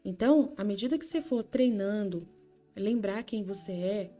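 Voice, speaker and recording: A woman speaking as a gentle consoling Jesus. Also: medium pitch, moderate pace, soft background music, lightly acted. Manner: tender, reassuring, addresses listener by name. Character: Jesus, a gentle consoling male divine figure.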